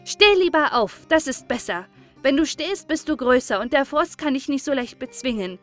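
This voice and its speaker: Woman doing a bossy, streetwise little boy, scolding and self-important, higher voice; faint music under. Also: lively intonation, normal speed.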